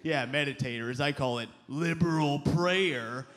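A man in his thirties doing a stand-up set on a club stage with a handheld mic, punchy and animated, with loud put-on voices. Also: on the high side, normal speed. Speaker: stand-up comedian. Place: club stage before a live audience. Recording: live club recording with crowd noise. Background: audience laughter.

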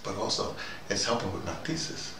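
A man's voice: on the low side, fairly quick. A man playing an easygoing, opinionated intellectual character, rambling and digressing animatedly in a casual monologue. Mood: opinionated, insistent. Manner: digressive, animated, argumentative, punctuated with "you know". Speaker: vlogger in character. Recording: distant mic, echoey room, loud background noise.

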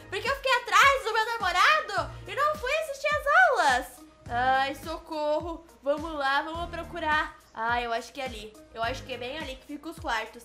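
A woman's voice: extremely high pitch, bright, forceful tone. A woman with a Brazilian Portuguese accent giving dramatic, playful role-play commentary over a game to her viewers. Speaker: gaming youtuber.

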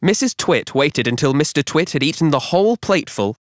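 A man's voice: a little high, big pitch swings, brisk, dry recording, clean studio sound. A man working as a professional voice actor, reading scripted narration and advert voice-overs. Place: home-studio quality recording.

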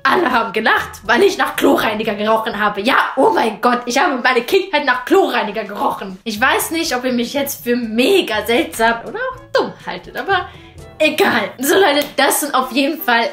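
A young woman tells her childhood stories to the camera in a casual, animated vlog, slipping into voices for the people she quotes. Her voice sits a little high. The room is noticeably echoey, with faint music playing underneath. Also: moderate pace. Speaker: vlogger.

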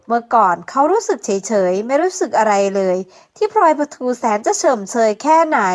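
A woman reading a romance novel aloud in steady, scripted narration. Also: a little high. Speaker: audiobook narrator.

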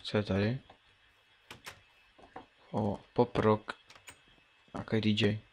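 A man's voice: fairly low pitch, little pitch movement, creaky, slight background noise. A young man in his late teens casually commentating his own gameplay, mumbling and thinking aloud as he plays, with keyboard and mouse clicks behind him. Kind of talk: casual Let's Play commentary.

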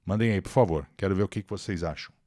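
A man's voice: low-pitched, quick pace, darkish tone, dry recording, clean studio sound. A Brazilian man teaching English in a live stream, explaining words and pronunciation and reading out viewer comments.

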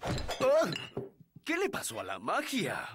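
Self-indulgent fairy monarch for kids' cartoon: pompous, hugely animated, unhurried, music behind. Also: male voice, high voice, heavily acted. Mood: puzzled. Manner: demanding, self-indulgent, theatrical. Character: lazy, pompous, bearded adult fairy king. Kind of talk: Spanish children's cartoon dub.

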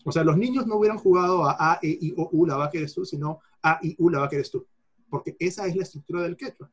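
A man gives an explanatory lecture to an audience, his voice slightly husky and a touch higher than most men's. He works through examples by repeating them and breaks off phrases to restart them, in a patient, teacherly way. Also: fast. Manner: didactic, repeats examples, self-corrects mid-phrase. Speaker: lecturer on Quechua linguistics. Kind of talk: explanatory lecture answering a participant.

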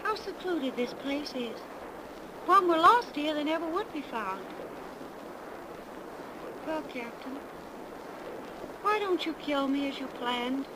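An actress playing a gentle young woman in love, earnest and tender, in 1930s radio drama style. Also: high-pitched, lively intonation, slow, long pauses. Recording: very noisy 1930s radio broadcast recording.

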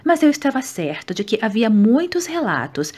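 Lively, high-pitched Brazilian woman reading. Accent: Brazilian Portuguese. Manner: steady, measured reading. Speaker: audiobook reader. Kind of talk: scripted audiobook narration.

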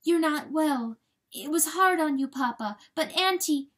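Woman voicing a high, wailing little fawn girl. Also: expressive, measured pace, a bit bright. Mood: worried, pleading. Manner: wailing, bawling, pleading. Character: distraught young female fawn, pleading with her father.

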